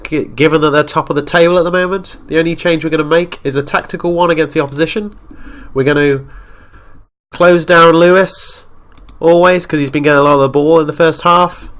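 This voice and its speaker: A man with a stuffy nose from a cold, calling football game highlights as play-by-play commentary and getting excited at near misses. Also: fairly quick. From Wales. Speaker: gaming YouTuber.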